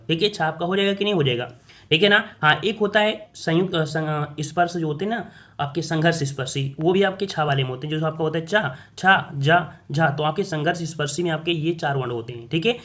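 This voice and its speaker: A man's voice: a little high, a bit bright. A man teaching a spoken quiz lesson for exam coaching, repeating questions and answering them himself. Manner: repetitive, asks and answers his own questions.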